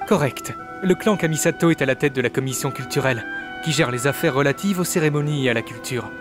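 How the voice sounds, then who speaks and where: A man's voice: mid-range voice, fast talker, music in the background, lightly acted. A man playing an affable young servant of a noble clan in a game dub, speaking politely and formally. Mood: polite, assured. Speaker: amateur voice actor dubbing a game character. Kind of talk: scripted game dialogue dub.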